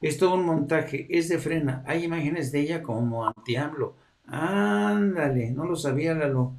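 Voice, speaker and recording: A man's voice: on the high side, normal speed, darkish tone, reverberant. A man hosting a live show, talking casually and rambling with many fillers. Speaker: host.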